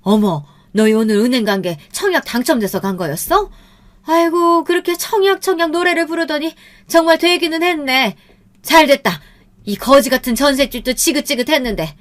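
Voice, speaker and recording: A woman's voice: sits high, moderate pace, voice pushed up, natural voice. A woman voicing a brazen, domineering older mother-in-law in a story, demanding and scolding.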